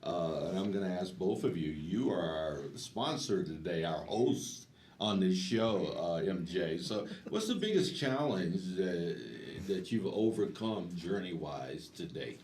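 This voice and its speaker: A low-voiced man co-hosts a podcast with a playful, teasing manner, and his pitch swings all over as he talks. The sound is roomy with a faint hiss behind him. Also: big pitch swings, measured pace, a little mellow. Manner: playful, teasing, laughs often. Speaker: podcast co-host. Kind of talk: casual interview chat.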